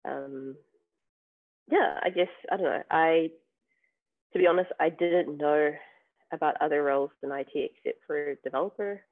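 A man's voice: on the high side, moderate pace, long pauses. A man, a podcast guest talking casually and hesitantly, with many ums and restarts. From New Zealand. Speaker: podcast guest, software tester. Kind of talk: casual interview chat. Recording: tinny phone-like remote call.

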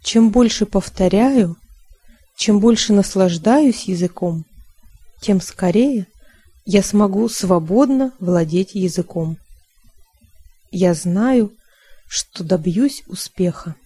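Slow, husky-voiced woman reading calmly. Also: mid-range voice, no echo. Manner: slow, deliberate, calm reading. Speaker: reader of a learning text. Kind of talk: scripted reading of a language-learning manifesto.

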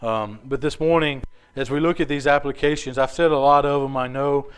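A man's voice: mid-range voice, steady tone, fairly quick, clean tone. A man preaching a sermon to his congregation in an earnest, conversational way, with casual asides.

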